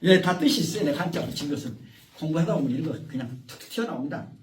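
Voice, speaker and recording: A man's voice: a little high, lively intonation, very fast. A man giving an informal, rambling lecture to a small group, often interrupted by the audience. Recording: echoey room, far from the mic.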